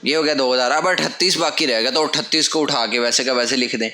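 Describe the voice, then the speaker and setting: A man's voice: mid-range voice, fairly quick, sharp tone. A man teaching a lesson at a whiteboard. He explains patiently, step by step, and repeats his key phrases. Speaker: language teacher. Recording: echoey room.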